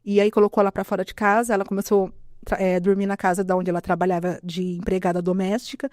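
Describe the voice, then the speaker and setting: A Brazilian woman recounts her life story as an interview guest, animated, often slipping into the voices of the people in it. She talks quickly in a middle pitch. The sound is close and dry, with no room around it. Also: dry recording. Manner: animated storytelling, quotes others' speech. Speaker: guest sharing testimony. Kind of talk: emotional personal testimony.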